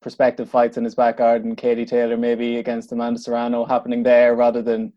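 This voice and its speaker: A man hosting a sports interview, asking measured, conversational questions. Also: medium pitch, completely flat delivery, warm tone, lo-fi sound. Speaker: radio host.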